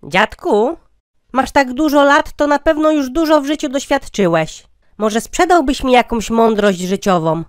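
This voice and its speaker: A man's voice: very high-pitched, animated, a little slow, clean tone, no echo, clean studio sound. A man voicing a curious, naive young grandson asking eager questions in a cartoon comedy skit.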